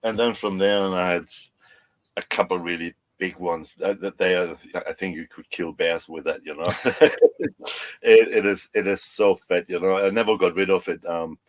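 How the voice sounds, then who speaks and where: A man's voice: deep voice, fairly even intonation, normal speed, no room sound. A man from Germany with a German accent touched by Australian, chatting as a podcast guest in a self-deprecating way over a remote call. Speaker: guest slingshot maker. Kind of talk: casual podcast interview.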